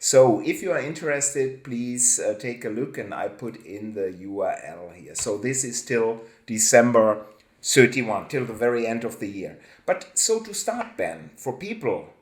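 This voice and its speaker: A German-speaking man hosting a video-call chat show, talking in a halting way with many hesitations. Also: mid-range voice, very animated, echoey room. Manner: hesitant, halting, laughs often. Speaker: host. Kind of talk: casual chat.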